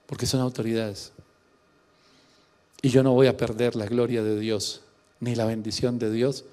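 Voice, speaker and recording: A man preaches a sermon, his voice sitting in a middle pitch. He swings between quiet, intimate lines and sudden emphatic bursts. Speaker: pastor.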